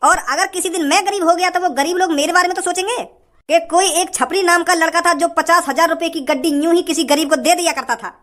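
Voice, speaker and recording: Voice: extremely high pitch, fairly even intonation, fairly quick, a bit bright. A performer voicing a brash, generous young rich man in a comedy skit, lecturing and boastful.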